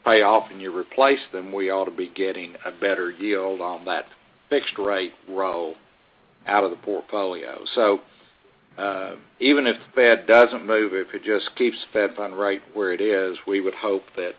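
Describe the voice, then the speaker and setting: A man speaking as a company executive on an earnings call, giving halting, measured, carefully qualified answers off the cuff. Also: sits low, steady tone. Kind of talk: unscripted earnings call commentary. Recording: muffled lo-fi conference call audio.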